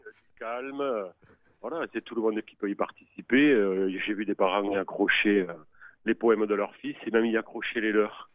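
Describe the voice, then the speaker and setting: Male interviewee, casual and hesitant, lowish voice, colloquial, on a narrow phone-quality line. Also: fairly even intonation, normal speed, no echo. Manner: hesitant, colloquial, tag words at phrase ends. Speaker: interviewee, member of the public. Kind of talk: casual spontaneous chat. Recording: tinny phone-like radio line.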